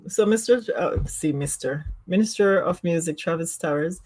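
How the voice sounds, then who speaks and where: A woman's voice: on the low side, normal speed, a little mellow. A woman with a Jamaican accent hosting a casual livestream, chatting with viewers and laughing often at herself. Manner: giggly, laughs often, self-teasing. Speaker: livestream host. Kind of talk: casual livestream chat reading comments.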